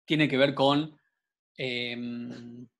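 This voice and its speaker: A man's voice: medium pitch, fairly even intonation, drawn-out words, fairly bright tone. A man, teaching an online programming class patiently, checking in with students often. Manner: patient, explanatory, frequent check-ins with students.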